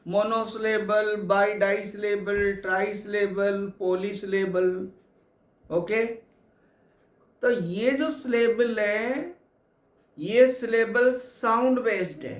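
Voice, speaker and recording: A man teaching English literature for exams, explaining slowly and repeating key points to his students. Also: high voice. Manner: slow, repetitive explaining, addresses students as kids. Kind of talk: exam coaching lecture. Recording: echoey room.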